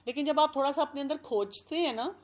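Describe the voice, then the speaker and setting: A woman speaking as an expert guest, explaining calmly and working through everyday examples. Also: high voice. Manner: calm, explanatory, gives examples. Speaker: expert guest giving parenting advice. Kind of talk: advice talk.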